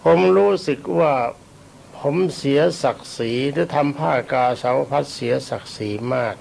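Gravelly old monk, coughing while ill. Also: male voice, mid-range voice, darkish tone, a little hiss or hum. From Thailand. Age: older. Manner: rambling, self-deprecating, pauses to recall names and dates. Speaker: Buddhist monk. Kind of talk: recorded dharma talk.

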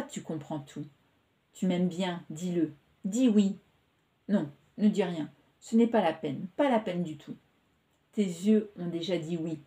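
A woman's voice: lowish voice, warm tone, close to an everyday voice. A woman reading the part of an emotional young woman who pours out her affection in a pleading, impulsive way, in a storybook reading.

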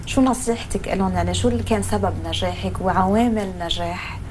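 Brisk Levantine TV host woman. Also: mid-range voice, background noise. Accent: Levantine Arabic. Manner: brisk, affirming, encouraging. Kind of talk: TV studio interview. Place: TV studio.

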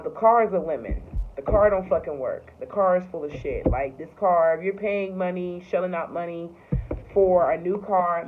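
A woman giving a casual tarot reading, talking loosely with lots of fillers and swearing. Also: lowish voice. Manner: loose, profane, filler-heavy talk. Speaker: tarot reader. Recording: tinny phone-like sound with faint noise.

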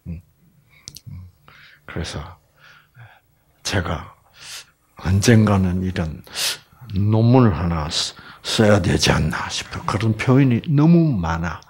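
He has a deep voice with a breathy edge, taking it slowly and pausing often. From Korea's Gyeongsang region and carrying its accent, this man delivers a funny Bible lecture, mocking himself with animation and playfully inviting the audience's responses.

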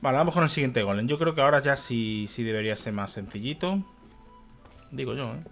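A man's voice: medium pitch, animated, a little fast, a bit bright, soft background music. A young man commentating a video game, exasperated, swearing and muttering to himself. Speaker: gaming youtuber. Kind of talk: let's play commentary.

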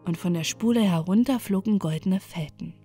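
A woman's voice: on the low side, moderate pace, mellow, slightly rough. A woman narrating a fairy tale as a bedtime storybook reading. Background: music.

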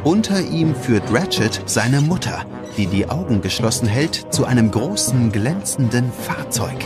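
Animated male storyteller over loud music. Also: mid-range voice, unhurried. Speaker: narrator. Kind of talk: dramatic scripted storytelling for children.

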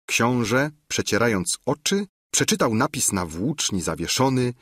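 A man narrating a classic novel for an audiobook, his voice breathy and slightly husky. He reads with animated, rising and falling intonation, close to the mic in a dry space. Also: mid-range voice, unhurried, no echo.

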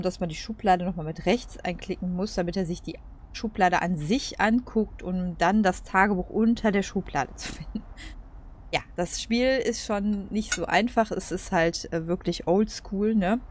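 A woman's voice: mid-range voice, normal speed. A woman giving casual gameplay commentary in a rambling, colloquial, hesitant way. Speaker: let's play host.

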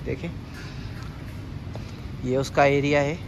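Filming a walking store tour vlog on a handheld phone, a man wanders a large indoor supermarket, casually pointing out goods and reading their prices aloud. He speaks slowly in a steady, mid-range voice. The lo-fi audio carries noisy store ambience.

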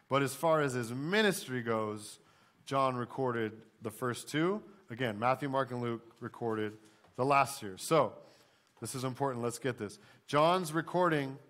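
Male pastor, forties, American accent, medium pitch, emphatic sermon delivery from a church stage. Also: a bit bright. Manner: emphatic, repeats questions and key phrases.

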